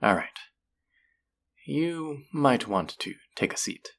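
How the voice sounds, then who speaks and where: A flirty demon of an underworld casino , acted by a man, speaks slowly in a roleplay audio drama, with pitch that swoops and slides. He is seductive and possessive, stretching his phrases to tease and taunt the listener. Gravelly fry runs through the voice. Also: animated, fairly bright tone, full character voice. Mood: smooth, inviting.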